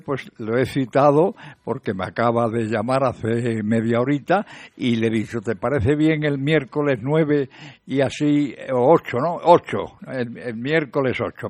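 A man with an accent from Spain hosting live radio chat, halting and insistent, often repeating himself. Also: mid-range voice, a little mellow, no room sound. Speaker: radio show host.

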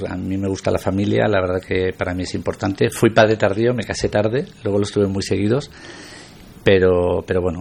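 Middle-aged man, very low voice, radio guest, thoughtful and halting, faint background noise. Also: creaky, a little mellow. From Spain. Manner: reflective, hesitant with many fillers. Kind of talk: radio interview.

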